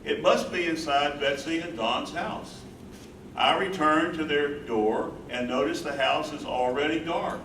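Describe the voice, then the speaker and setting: Staged reading: loving, troubled husband played by a male actor, higher-set voice, noisy roomy recording. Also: a little slow, close to an everyday voice. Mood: haunted, reflective. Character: devoted husband and carer, loving, troubled, reflective. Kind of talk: staged reading, dramatic monologue. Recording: echoey distant stage recording, clear noise.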